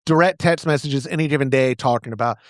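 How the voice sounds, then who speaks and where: A man with a medium pitch and quick pace co-hosts a podcast in a dry, studio-quality recording. Jokey and self-mocking, he banters casually, bursts into silly sung bits, and then reads a sponsor ad.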